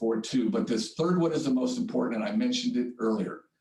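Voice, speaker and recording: A man talks at a very fast pace. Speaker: tax accountant. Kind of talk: webinar presentation. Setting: webinar.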